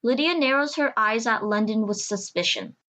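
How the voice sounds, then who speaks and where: A woman's voice: fairly high pitch, normal speed, sharp tone. A woman reading scripted narration for an audio drama.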